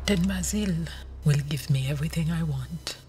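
An actress playing a cold, ruthless, seductive vampire woman with a breathy, menacing delivery. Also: low-pitched, normal speed, warm tone, faint music behind, lightly acted. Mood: possessive.

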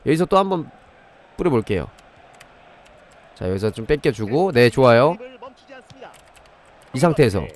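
A man streams a game live, offering review and commentary as he shows things step by step and stops to chat with viewers. His mid-range voice is very animated, moving at a moderate pace with frequent pauses.

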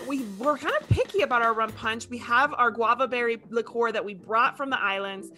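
A bright, lively woman in her thirties hosts a casual video-call chat. She is a native Spanish speaker from Ecuador with a slight accent, and she talks in a bubbly, animated way on earbuds from a home studio. Her voice sits a little high. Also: fairly quick, faint music behind. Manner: bubbly, animated, laughs often. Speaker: host.

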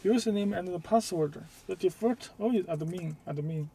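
Guy with a high voice doing a slow step by step gadget tutorial, non-native english, short halting phrases, bit of fry. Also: mellow, slight background noise. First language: not English. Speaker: product demonstrator. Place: inside a parked car.

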